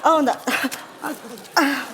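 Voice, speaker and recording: A woman playing a calm, motherly elderly teacher who speaks slowly and deadpan in a comedy sketch. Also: high-pitched, heavily acted. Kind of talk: sketch comedy acting before a live audience. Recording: TV stage with loud audience and noise.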